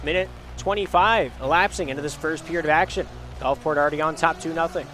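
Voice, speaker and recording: Hoarse young game commentator. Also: male voice, a little high, quick pace, faint music behind. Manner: energetic, rising on shots and goals, chatty asides to chat. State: hoarse from a week of illness, voice cracking. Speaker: esports play-by-play commentator. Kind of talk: live play-by-play commentary.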